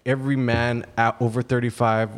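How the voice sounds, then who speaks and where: A man's voice: medium pitch, little pitch movement, moderate pace. A man in his forties hosting a podcast, talking earnestly in casual chat. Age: 40s. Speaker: podcast host.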